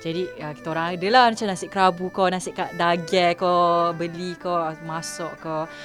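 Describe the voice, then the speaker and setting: With music in the background, a woman speaks at a fairly low pitch and moderate pace, with ordinary pitch variation. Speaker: TikTok personality and actress. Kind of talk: interview answer.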